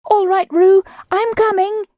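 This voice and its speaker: A woman's voice: very high-pitched, wildly swooping pitch, very slow, dark tone, no echo, studio quality, pitched above the performer's own voice, exaggerated voice. A woman voicing an earnest young boy who calls out and speaks solemnly. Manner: calling out, solemn.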